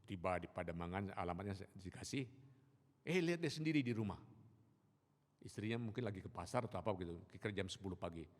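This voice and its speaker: A male pastor gives a sermon in a church sanctuary, his voice trailing a long reverb through the hall. He tells stories in a calm middle register, then climbs to loud, emphatic preaching. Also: deep voice, fast talker. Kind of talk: sermon with storytelling.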